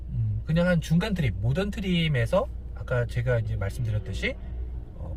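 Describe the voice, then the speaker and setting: Man, car vlog host, animated intonation, halting phrasing, casual and unscripted, noticeable vehicle noise in background. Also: mid-range voice.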